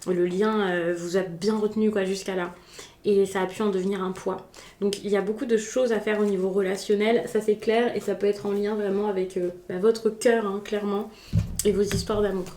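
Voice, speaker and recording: A woman's voice: medium pitch, fairly even intonation, moderate pace, mellow, reverberant. A woman giving a spontaneous, chatty tarot reading, with many hesitations and restarts. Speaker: tarot reader.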